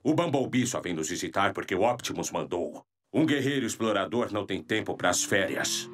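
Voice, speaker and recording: An actor playing a gruff, dryly sarcastic robot team leader in a cartoon dub, with a Brazilian accent. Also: male voice, on the low side, expressive, moderate pace, fairly bright tone, a little hiss or hum. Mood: dry, skeptical. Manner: dry, sarcastic. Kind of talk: animated series dub acting. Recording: music under the voice.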